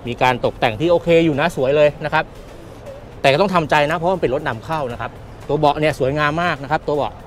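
With a slightly high voice and a quick pace, a car show presenter gives a casual walkaround tour in a busy indoor motor expo hall. He's chatty, restates his points, and finishes phrases with polite particles. He isn't on camera, the audio comes from a handheld camera mic, and there's slight background noise.

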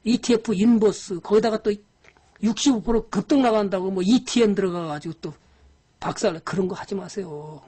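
A woman's voice: mid-range voice, normal speed, warm tone, husky. A woman giving a live-streamed lecture on stock investing. She talks to viewers directly in a scolding, exasperated way, with frequent sighs.

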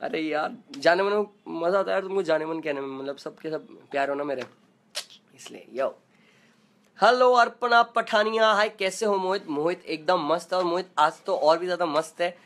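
A man's voice: a little high, normal speed, a bit bright. A man chatting playfully and non-stop in a casual live video chat, reading out comments as a singer host. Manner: playful, joking.

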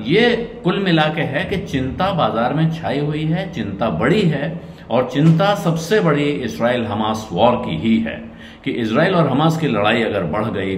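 A middle-aged man, a senior journalist, giving measured market commentary to camera from a room at home. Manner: measured explanatory delivery, dropping low at cautions. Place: indoor room with curtains. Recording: roomy echo, faint noise.

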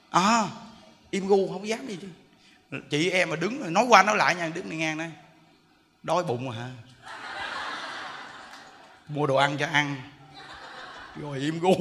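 A man giving a jokey, animated Buddhist sermon in a large temple hall, often laughing while he speaks. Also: high voice. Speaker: Buddhist monk giving a dharma talk.

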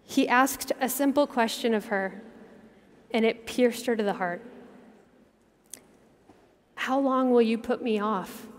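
A woman in her thirties, a religious sister, giving an inspirational keynote speech from an arena stage in a measured, earnest way with dramatic pauses. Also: a little high. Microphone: headset mic at a podium. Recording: long arena reverb.

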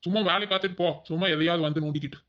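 A man's voice: on the high side, steady tone, rapid-fire, muffled recording, close to an everyday voice. A man voicing a sulky, jealous village husband in a cartoon, with a Kongu Tamil accent and curt, snapping replies. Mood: grumpy. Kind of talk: cartoon voice acting.

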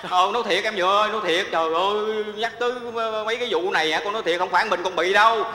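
A penniless gambler son who stammers and wails through his excuses. He talks fast and bright. The sound is an echoey stage with long reverb. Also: high-pitched. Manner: whiny, stammering, wailing exclamations. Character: penniless man, gambler, comic prodigal son. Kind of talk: stage comedy sketch.

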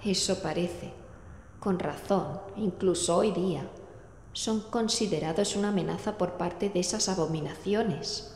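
An actress playing a serious, measured female investigator in a horror audio drama. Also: lowish voice, a little mellow, slight background noise. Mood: grave. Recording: echoey reverberant space, faint ambience.

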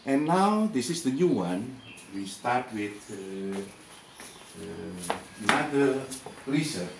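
A man's voice: medium pitch, big pitch swings, takes it slowly, very noisy. An older Indonesian man with Indonesian as his first language, giving a hesitant tour of his lab projects in English, full of fillers and restarts. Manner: hesitant, many fillers and repeated words. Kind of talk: halting presentation in second-language English. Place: garden workshop, indoors and outdoors. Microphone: handheld camera close by. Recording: echoey with clear background ambience.

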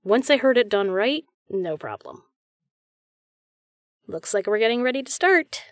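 A woman's voice: on the high side, very animated, unhurried, dry recording, clean studio sound. A woman playing a friendly, chatty, reassuring female caroler in a one-sided roleplay audio conversation. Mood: cheerful, chatty. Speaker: voice actor.

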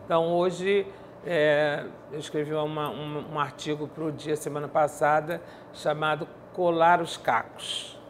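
A woman's voice: low voice, steady tone, unhurried, few pauses. Casting: middle-aged Brazilian woman, conversational interviewer, seated studio setting, slight noise behind. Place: quiet indoor studio, seated.

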